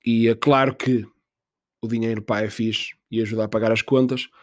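A man's voice: fairly low pitch, flat delivery, moderate pace, no room sound. Joking European Portuguese man, dry sound. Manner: rambling, profane, jokey, self-mocking. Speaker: podcast host. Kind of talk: casual comedic monologue.

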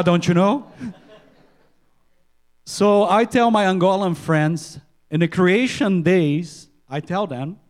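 Middle-aged man, Portuguese-speaking accent, fairly high voice, earnest church talk, halting repeats. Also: darkish tone. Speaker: missionary physician. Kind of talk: church mission presentation.

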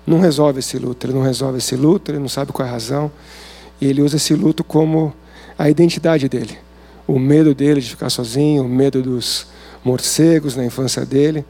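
A man's voice: medium pitch, vocal fry, warm tone. A man with a Brazilian Portuguese accent giving an informal sermon at a men's service, talking conversationally and asking many rhetorical questions.

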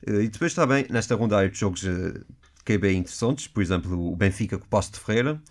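A man from the Azores co-hosting a casual radio chat, quick and playful, joking about himself. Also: lowish voice. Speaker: radio co-host.

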